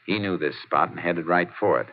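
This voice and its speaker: An actor in a 1950s radio drama playing a steady, determined Texas Ranger, terse, matter-of-fact and authoritative. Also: male voice, deep voice, brisk. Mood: watchful. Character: steady, determined Texas Ranger lawman narrating his case. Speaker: lead character and narrator. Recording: muffled, noisy old radio recording with clicks.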